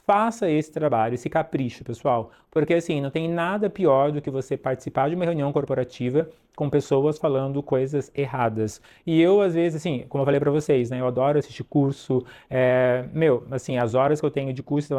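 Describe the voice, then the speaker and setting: A man's voice: a little high, mellow. A man from Brazil teaching an English lesson in a casual, rambling way, full of fillers and asides.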